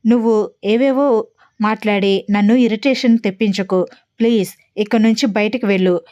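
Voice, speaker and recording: A woman's voice: on the high side, fairly even intonation, moderate pace, a little mellow, smooth, muffled recording, lightly acted. Woman reading a snappish bed-bound young man. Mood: annoyed. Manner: snappish, short-tempered. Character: irritable injured young man in hospital.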